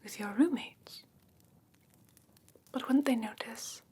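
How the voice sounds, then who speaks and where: A woman playing a doting, slightly haughty fae creature in a soft, breathy ASMR whisper, gentle and genteel with coaxing endearments. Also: on the high side, takes it slowly, full character voice. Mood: gentle, pleased. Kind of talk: whispered ASMR fantasy roleplay.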